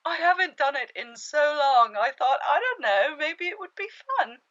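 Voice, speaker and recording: A woman voicing a plucky, self-effacing young scavenger in a conversational cartoon spoof, flustered and halting as she plays things down, on slightly muffled audio. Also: sits high, very animated, fairly bright tone. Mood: sheepish.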